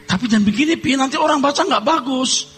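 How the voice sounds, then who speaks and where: A suspicious wife, as a preaching man puts her on, prodding her husband with pointed questions. The voice is high and bright. It rings out with a long hall reverb over faint music. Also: fast talker.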